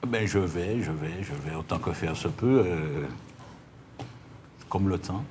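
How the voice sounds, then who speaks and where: A man's voice: sits low, measured pace, darkish tone. A man with a Martinican French accent answering interview questions, hesitating and repeating words as he explains. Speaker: interview guest, union leader. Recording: clear background noise.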